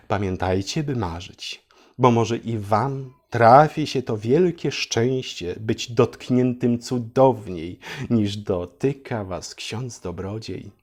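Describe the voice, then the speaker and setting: A man voicing a mock-sweet storyteller who lectures children condescendingly and fawns solemnly over his ruler in a satirical fairy tale for adults. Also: mid-range voice. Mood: hushed mock tenderness.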